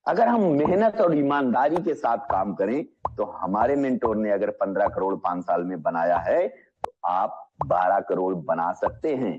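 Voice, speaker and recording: Energetic motivational trainer, a man. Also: fairly low pitch, normal speed, husky, muffled recording. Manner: energetic, addresses audience as friends, asks questions. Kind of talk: motivational session talk.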